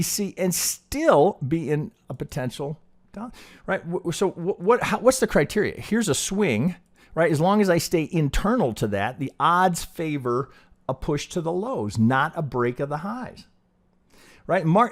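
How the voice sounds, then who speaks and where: A middle-aged man giving an informal live lesson in chart analysis, thinking aloud conversationally, often checking in with a tagged-on "right" and swearing casually. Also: fairly high pitch. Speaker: trading educator and video host.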